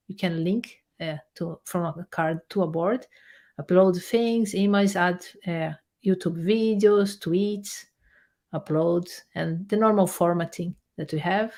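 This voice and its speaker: A woman who works as a researcher and software developer appears as a guest in a casual interview. Her medium-pitched voice is animated as she clicks through an on-screen software demo, explaining as she goes with many restarts.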